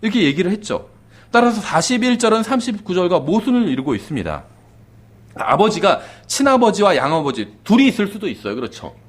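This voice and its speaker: A male pastor preaching in a brisk, conversational way, with his voice swinging high and low. He keeps checking in with the congregation and lets phrases fade to a quiet low finish. His voice sits a bit higher than most men's. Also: sing-song. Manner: conversational preaching, often asks the congregation "그렇죠?"; drops to a soft low voice at the ends of phrases. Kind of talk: sermon.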